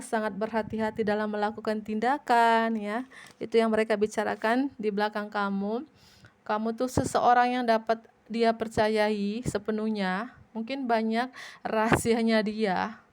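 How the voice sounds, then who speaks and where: A woman reading tarot cards for her viewers, speaking gently and directly to the listener with a repeated "ya". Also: a little high. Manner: addresses viewer directly, repeats tag "ya" often. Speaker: tarot reader.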